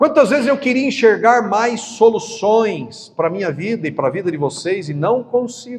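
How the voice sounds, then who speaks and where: A man with a high pitch speaks in lively intonation, with hardly any pauses. Noticeable background noise and audible room echo fill the recording. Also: moderate pace. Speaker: pastor. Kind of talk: sermon.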